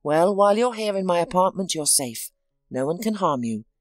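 A woman voicing a steady, helpful male friend, speaking calmly and reassuringly in a storybook reading. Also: on the low side, moderate pace, no room sound, clean studio sound, soft background music, natural voice.

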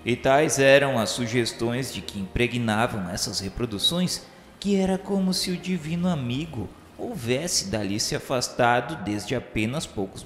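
A man narrates a spiritual radio novel in a reverent, literary manner. His mid-pitched voice is measured and formal. It rings with long reverb, and music plays faintly behind him.

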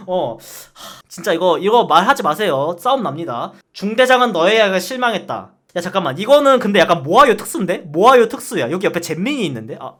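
A man in his twenties chatting casually on a stream, ranting with lots of swearing and laughter. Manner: profane, animated ranting with frequent laughs; acts out barked military quotes in a low voice. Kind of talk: casual streaming chat, reacting to a ranking game.

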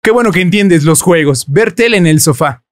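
A man giving playful, joking commentary while playing a game, breaking into squeaky exclamations. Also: expressive, brisk, dry recording, studio quality. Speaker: gaming youtuber. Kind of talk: let's play commentary.

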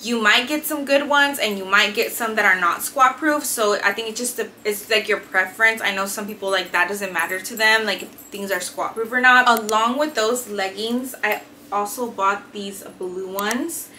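A woman's voice: mid-range voice, moderate pace, pushed and bright, slight background noise. A young woman reviewing gym clothes to camera in a small bedroom, chatty and enthusiastic with lots of filler words. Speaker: fitness and beauty vlogger. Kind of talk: casual haul review to camera. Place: small decorated bedroom, indoors.

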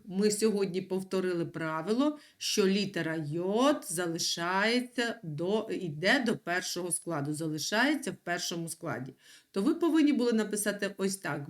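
Patient woman teacher with lively intonation. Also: medium pitch. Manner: clear, patient, emphatic teacher explaining to children. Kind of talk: recorded online school lesson.

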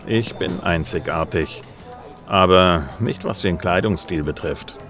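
An actor playing a self-assured, gruff bounty hunter in a science fiction radio play, dry and laconic. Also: male voice, low voice, unhurried, a bit bright. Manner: laconic, dry, noir-style. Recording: music under the voice.

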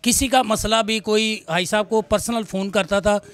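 A man's voice: high voice, steady tone, normal speed, fairly bright tone. A male trader speaks emphatically and critically in an interview held in a crowded indoor office. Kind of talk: interview answer. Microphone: handheld mic.

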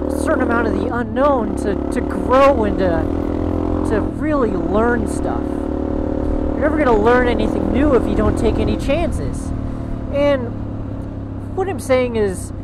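A young man records a reflective, rambling motovlog from a helmet camera on a moving motorcycle. His pitch swings in a lively way as he talks. Loud wind and engine roar sit under every word. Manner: rambling, reflective, heavy use of "you know" and "like". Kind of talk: motovlog monologue while riding. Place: outdoors on a moving motorcycle on suburban roads. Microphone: helmet-mounted action camera.

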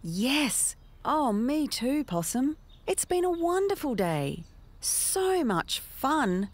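A woman's voice: sits high, sing-song, slow. A middle-aged woman presenting a children's TV show in an encouraging, sing-song way.

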